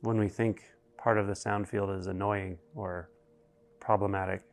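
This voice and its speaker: A man guiding a meditation, speaking slowly and deliberately with long pauses between phrases. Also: deep voice, level tone. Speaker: meditation guide. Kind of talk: guided meditation narration.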